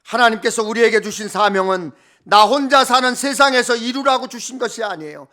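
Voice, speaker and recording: Male pastor, middle-aged, very high-pitched and bright, sermon delivery that shifts from declaiming to conversational asides. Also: fairly quick. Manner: rhetorical questions and repeated parallel phrases. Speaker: pastor preaching.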